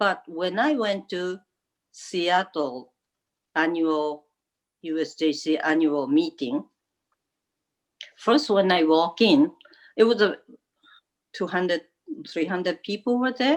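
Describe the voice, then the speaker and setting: A woman with a Japanese accent and medium pitch speaks at a very slow pace, her pitch swinging very widely between long, frequent pauses. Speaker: businesswoman and philanthropist. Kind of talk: interview. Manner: halting; animated.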